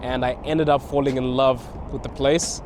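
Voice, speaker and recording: A man's voice: medium pitch, level tone, normal speed, background noise. Reflective man telling his story outdoors. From Botswana. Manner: reflective, laughs between thoughts. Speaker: guest, content creator. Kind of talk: conversational interview answers. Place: outdoors in a city park.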